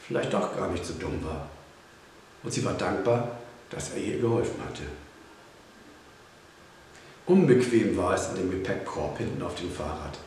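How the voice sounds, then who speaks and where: In a calm, measured reading, a deep-voiced man narrates a children's storybook. Faint hiss and echo from the room come through on the recording.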